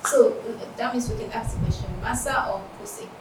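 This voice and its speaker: Teasing Nigerian woman host, echoey room. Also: on the high side. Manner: teasing, quick back-and-forth questions. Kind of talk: casual interview chat. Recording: echoey room, distant mic, noisy.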